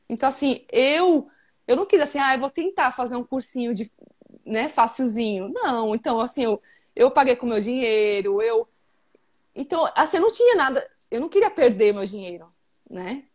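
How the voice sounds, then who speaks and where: A woman from Brazil in her thirties, talking casually and emphatically as an interview guest over a video call. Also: fairly high pitch. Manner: chatty, emphatic, many fillers.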